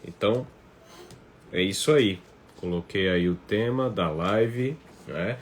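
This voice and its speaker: A man with a northeastern Brazilian accent and a fairly low voice chats to his livestream audience like an informal teacher. He often tacks on little tag questions. The phone recording carries some background noise. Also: slow. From Paraíba, northeastern Brazil. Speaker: teacher hosting a live online class. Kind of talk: informal livestream talk to viewers. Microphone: phone on a stand.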